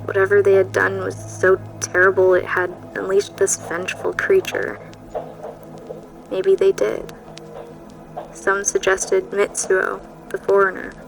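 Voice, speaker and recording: A haunted woman telling her story in a level, hushed voice. Her narration is measured and ominous, as in an audio drama. Music plays clearly behind her. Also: mid-range voice, poor audio. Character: haunted, sleepless woman recounting an eerie night. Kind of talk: dramatic first-person narration.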